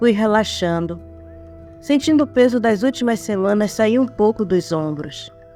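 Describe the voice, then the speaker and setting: Music plays in the background as a woman speaks at a medium pitch. Her pace is fairly slow and her intonation lively. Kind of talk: first-person horror story narration.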